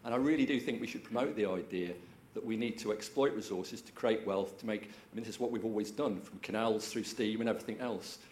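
A man in the audience making a measured, reasoned point. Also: on the low side, a little mellow, a little hiss or hum. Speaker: audience member. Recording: roomy echo, faint ambience.

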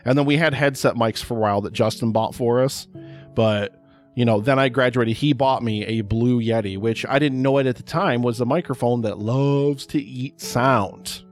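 A middle-aged man hosting a podcast, recorded close on a studio mic, with faint music underneath. His voice is loud and projecting, with a middle pitch. He rambles chattily through his story and repeats words for emphasis. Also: moderate pace. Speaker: podcast host. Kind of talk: casual personal storytelling.

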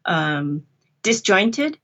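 A woman's voice: lowish voice, big pitch swings, very slow, a bit bright. A middle-aged woman speaking conversationally as an interview guest about her work. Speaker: interview guest, audiobook narrator.

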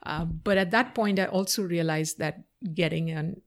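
Low, gravelly-voiced woman from India. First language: Marathi. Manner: thoughtful, reflective, many pauses and fillers. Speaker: interview guest. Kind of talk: casual interview answers.

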